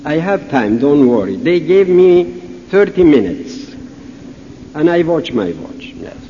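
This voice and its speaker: An older man with a Persian accent telling a humorous story at a conference, acting out the dialogue in an unhurried way. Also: fairly high pitch, very animated, mellow, a little hiss or hum. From Iran. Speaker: speaker at a conference. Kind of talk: storytelling talk. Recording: muffled hall recording.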